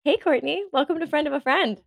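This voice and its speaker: A woman's voice: high voice, fast talker, vocal fry, noisy background. A woman hosting a podcast, talking with gushing enthusiasm and lots of "like" while getting over a cold. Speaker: podcast host. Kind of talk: upbeat podcast intro and chat.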